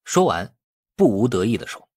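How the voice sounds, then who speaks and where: A man's voice: on the low side, sing-song, normal speed, slightly rough. A man reading scripted novel narration as an audiobook narrator.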